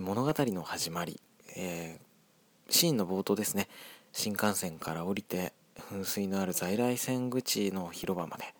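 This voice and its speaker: A young man from Hiroshima, the scriptwriter of an audio drama group, reflectively talking through the making of his drama with a soft, hedging manner and a Hiroshima accent. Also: low voice, vocal fry, no room sound. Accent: Hiroshima dialect. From Hiroshima, Japan.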